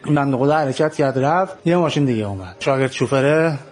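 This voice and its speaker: A man from Iran casually telling a personal story from his workplace, acting out the people in it. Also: mid-range voice. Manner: lively storyteller, acts out voices. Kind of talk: casual spoken anecdote.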